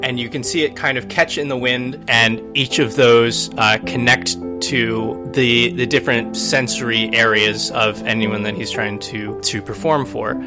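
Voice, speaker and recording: A man's voice: mid-range voice, steady tone, measured pace, few pauses, over music. A man playing a tabletop game, describing his character's actions in a hesitant, improvised, descriptive way.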